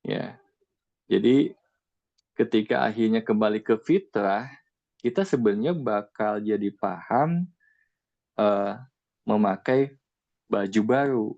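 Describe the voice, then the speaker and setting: A man's voice: fairly low pitch, slow pace, vocal fry, long pauses, darkish tone, lo-fi sound. A man giving a casual spiritual talk to a group, conversational and full of rhetorical questions. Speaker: spiritual teacher.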